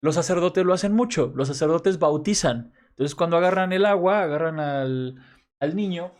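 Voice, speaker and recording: A man's voice: fairly high pitch, moderate pace, a little mellow. A man giving a casual grammar lesson, talking conversationally and often checking in with his listeners. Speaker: teacher.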